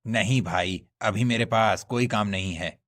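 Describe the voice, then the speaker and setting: A man voicing a gruff shopkeeper in a cartoon, brushing off a job seeker in an irritated way. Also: on the low side, unhurried, fairly bright tone, pitched below the performer's own voice. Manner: dismissive, irritated.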